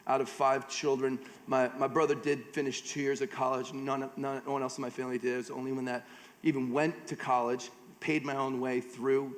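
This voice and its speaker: A man's voice: medium pitch, level tone, a little fast. A middle-aged American man preaching a conversational sermon at a church conference, slipping joking asides between scripture readings. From United States. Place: large church auditorium. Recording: long hall reverb.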